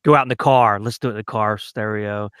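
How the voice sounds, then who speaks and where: A man's voice: lowish voice, steady tone, fast talker, fairly bright tone, clear, resonant tone, no room sound, studio quality. A man in a casual podcast chat, easygoing and chatty, talking about his audio work. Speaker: voice actor guest.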